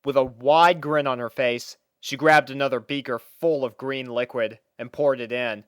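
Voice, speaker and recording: A woman narrating a scripted story in an expressive manner. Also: extremely low pitch, moderate pace, no echo, studio quality.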